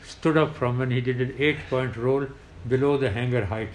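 Older guy w south asian accent, ex pilot telling war stories, halting but emphatic, medium pitch, noisy background. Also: echoey room. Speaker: retired air force pilot. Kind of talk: recounting war memories in an interview.

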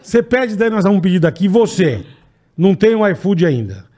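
A man's voice: sits high, sing-song, normal speed, dark tone. A man with a Brazilian accent co-hosting a casual chat, slangy and exclamatory, with plenty of swearing. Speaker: podcast co-host. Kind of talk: casual chat with live ad reads.

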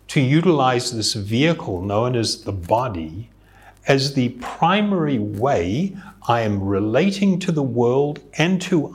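Slow, earnest man giving a yoga talk. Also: medium pitch. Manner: reflective, earnest, with occasional chuckles. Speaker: yoga teacher. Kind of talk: spiritual talk.

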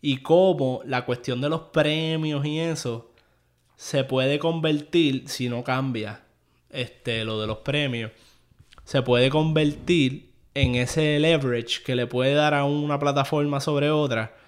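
A man's voice: medium pitch, fairly even intonation, slow pace, smooth. A man hosting a podcast in a loose, easygoing chat. He rambles from point to point and drops English phrases into his as he goes. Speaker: podcast host. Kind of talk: casual chat.

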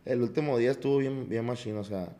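A man chats easily as a podcast guest. His voice sits at a middle pitch, and he tells his stories in a relaxed, slangy way. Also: fast. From Mexicali, Mexico. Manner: slangy, laid-back storytelling. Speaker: guest singer. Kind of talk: casual podcast chat.

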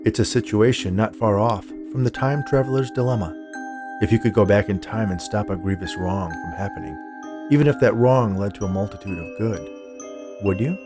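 A man with a fairly low voice narrates fiction like a podcast storyteller. His delivery is scripted, measured and dramatic, with deliberate pauses. Music plays behind the voice.

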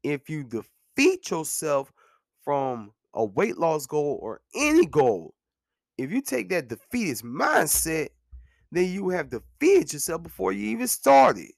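Speaking unhurriedly in a slightly high, gravelly voice with wildly swooping pitch, a thirtysomething podcast host earnestly shares his own experience in a casual monologue. He repeats lines for emphasis and tosses in "man" and "you know what I'm saying," all recorded dry in a clean studio.

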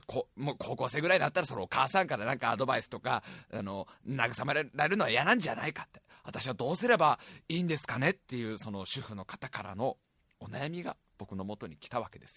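A man with a hoarse, raspy, strained voice hosting a casual solo radio show in a lively storytelling way. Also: mid-range voice, dry recording, studio quality. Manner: animated, laughs at his own stories. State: strained voice, holding volume down.

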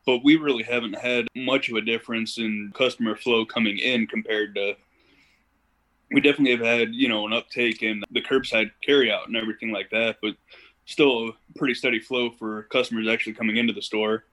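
A young adult man from Ohio talks as a guest on a podcast. His mid-pitched voice is easygoing, and he tells his stories in a loose, casual way with frequent fillers. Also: steady tone, brisk, sharp tone, low-quality recording. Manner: easygoing storyteller, uses fillers like "you know". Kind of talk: casual interview chat.

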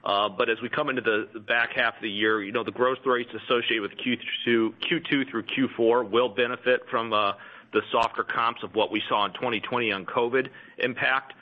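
A man speaking as a company executive, explaining things to analysts on an earnings call in halting phrases. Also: mid-range voice, fairly even intonation. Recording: thin phone-line conference audio.

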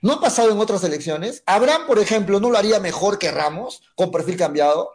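A man hosting a radio sports talk show, moderating calmly and asking questions. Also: sits high, quick pace. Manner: calming, questioning.

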